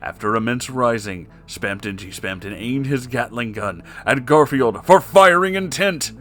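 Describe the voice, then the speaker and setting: A man's voice: mid-range voice, lively intonation, unhurried, a bit bright. A man narrating a comic fan story in a theatrical, mock-serious dramatic reading. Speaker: story reader.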